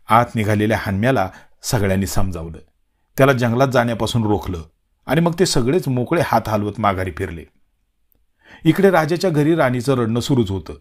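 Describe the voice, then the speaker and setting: Man reading a village story. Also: medium pitch. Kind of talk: scripted story narration.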